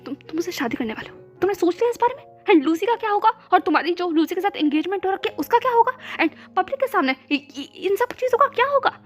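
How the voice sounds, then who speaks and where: A woman voicing a hot-tempered male executive assistant who shouts and scolds in exasperation. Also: extremely high pitch, very animated, quick pace, hardly any pauses, soft background music, voice pushed up, exaggerated voice. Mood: shocked.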